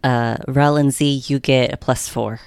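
Unhurried, giggly woman player. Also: very deep voice, fairly even intonation, a little mellow, smooth, dry recording, clean studio sound. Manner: laughs often, self-deprecating. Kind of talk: casual tabletop game chat.

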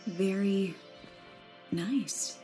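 A woman playing a guarded, reticent young woman in an audio drama, breathy and sparing with words. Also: medium pitch, extremely slow, mellow, soft background music. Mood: tentative. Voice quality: breathy, husky. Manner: short, evasive answers.

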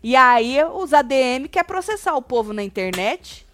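A woman co-hosting a casual gossip show, retelling reality-TV moments with emphatic, animated delivery. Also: high voice, moderate pace.

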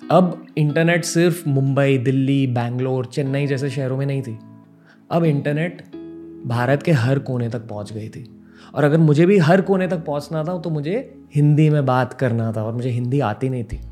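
A man's voice: mid-range voice, moderate pace, warm tone, soft background music. A young man from Mumbai, a podcast host, telling a personal story in an earnest, reflective way and mixing in English words. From Mumbai, India.

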